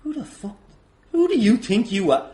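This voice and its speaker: A man with a high voice that swings widely in pitch. He hosts a wrestling podcast and plays up a comic argument, sounding affronted and swearing freely. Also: very animated, normal speed, darkish tone. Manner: indignant, sweary. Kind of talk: improvised comedic argument on a podcast.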